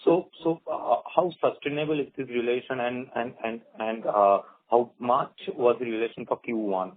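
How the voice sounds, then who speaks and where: A man with an Indian accent asking questions as an investor on an earnings call, haltingly and with repeated words. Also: medium pitch, steady tone. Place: phone call. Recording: tinny phone line, radio-like.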